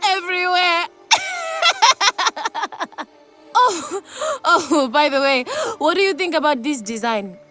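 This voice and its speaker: Manic, high-pitched explosives-loving girl. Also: normal speed, faint music behind. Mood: gleeful, giggly. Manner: excitable, giggly, gleefully unhinged. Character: manic, cheerful young woman explosives maker, giggly and reckless. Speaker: video game character. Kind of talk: video game character acting.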